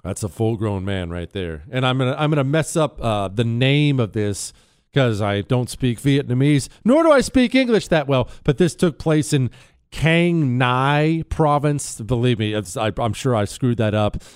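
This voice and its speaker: A man's voice: medium pitch, animated, normal speed, clear, resonant tone, no echo, studio quality. A man hosting a talk radio show in a conversational monologue, folksy and plain-spoken, addressing listeners directly. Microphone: close studio microphone.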